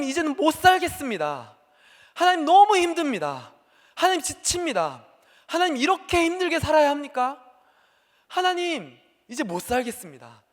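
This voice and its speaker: A man's voice: extremely high pitch, pitched above the performer's own voice. A man voicing a desperate oppressed people crying out to God, pleading and repeating each cry. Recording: long hall reverb.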